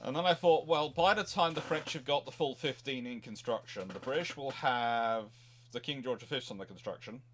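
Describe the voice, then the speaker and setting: A man with a mid-pitched voice hosts a casual history chat. He rambles, digresses and breaks off his own sentences to restart them from another angle. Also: moderate pace, a bit bright, a little hiss or hum. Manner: rambling, digressive, self-interrupting. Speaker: host, naval historian.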